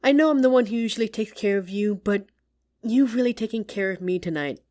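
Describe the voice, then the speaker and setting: A woman's voice: mid-range voice, fairly quick, warm tone, close to an everyday voice. A woman playing a loving, tired career-woman wife in an intimate audio roleplay, speaking tenderly and teasingly as if to her husband. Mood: overwhelmed, grateful.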